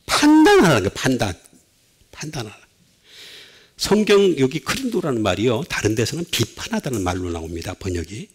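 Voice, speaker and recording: A middle-aged male pastor preaching a sermon, with sudden swings between loud and soft. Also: mid-range voice, very animated, brisk, husky.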